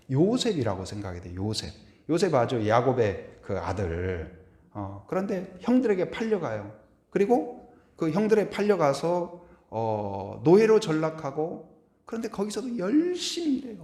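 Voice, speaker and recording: A man's voice: mid-range voice, darkish tone. A middle-aged man preaching a Sunday sermon as a pastor, building up repeated declarations and acting out little dialogues. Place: church sanctuary. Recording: echoey church room.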